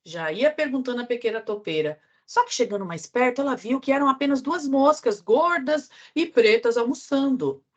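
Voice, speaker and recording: A woman's voice: high voice, animated, normal speed, hardly any pauses, muffled recording. A woman teacher reading a children's book aloud in a workshop, telling it expressively and adding sound effects.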